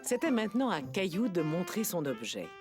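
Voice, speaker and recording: A woman narrating a children's cartoon in a gentle, expressive storytelling manner. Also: lowish voice, normal speed, loud music behind the voice.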